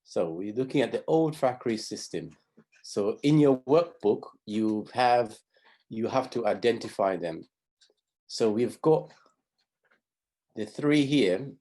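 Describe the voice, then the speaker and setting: A middle-aged Zambian man teaches a pathfinder honour class over video, his low voice warm and dark. He walks through things step by step, often repeating or restarting phrases midway, and sounds animated while speaking slowly with frequent pauses.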